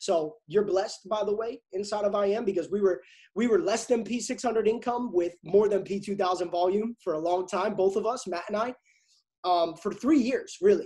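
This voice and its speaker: With a dark, mellow tone and a high pitch, a man speaks at a moderate pace over a quiet background. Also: ordinary pitch variation. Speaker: company leader hosting. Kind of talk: motivational webinar opening. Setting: live video call. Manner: excitable. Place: home room. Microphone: earbuds.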